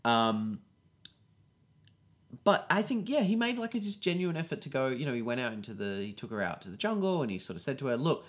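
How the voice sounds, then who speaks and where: A man talks through a reality show episode in an easygoing podcast chat. His voice is very lively, leaping high for emphasis and dropping low between points. He is loose and conversational, full of "you know" and "like". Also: brisk. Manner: animated, jumps up in pitch for emphasis, many fillers. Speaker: podcast co-host.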